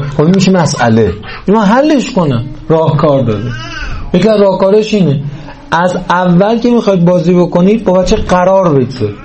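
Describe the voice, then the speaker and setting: A man's voice: high voice, darkish tone, low-quality recording. Earnest male religious lecturer. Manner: earnest, checks in with listeners through rhetorical questions. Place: lecture with a live audience.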